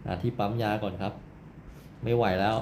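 A man giving loud, rowdy live commentary while playing a shooter game, swearing and yelling during fights. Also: lowish voice, flat delivery, brisk. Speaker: gameplay streamer. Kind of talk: casual live gameplay commentary. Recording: echoey room with faint game noise. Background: gunfire from the game.

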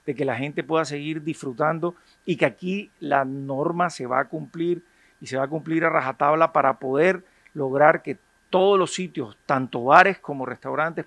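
A man talks with enthusiasm in a slightly high voice about his restaurant. The sound is dry and close, caught on a handheld mic. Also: fairly even intonation, normal speed, creaky, fairly bright tone, dry recording. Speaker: restaurant owner. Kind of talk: news interview. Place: indoor restaurant. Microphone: handheld reporter mic.

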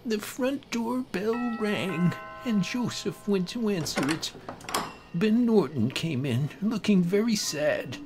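A woman giving a dramatic first-person horror narration in a theatrical, anguished, deliberate manner. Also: medium pitch, animated. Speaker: amateur story narrator. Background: music.

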